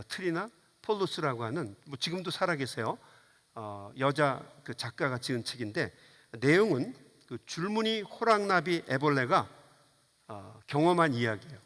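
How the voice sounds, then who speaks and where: A man's voice: a little high, a bit bright. A man preaching a sermon as pastor, fervent, with repeated phrases and small fillers. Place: church sanctuary. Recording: long church reverb.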